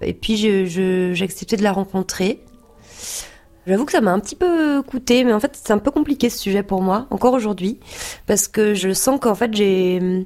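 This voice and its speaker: Ordinary pitch variation in a woman's dark, mellow voice at a medium pitch. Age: 30s. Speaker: woman conceived by donor insemination. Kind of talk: personal testimony.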